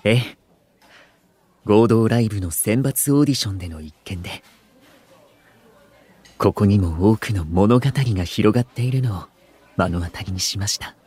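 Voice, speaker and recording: An actor playing a courteous, bookish young food streamer in an audio drama, speaking in formal, literary, gentlemanly phrases. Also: male voice, on the low side, moderate pace, long pauses, husky. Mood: humble earnest. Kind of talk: Japanese audio drama acting.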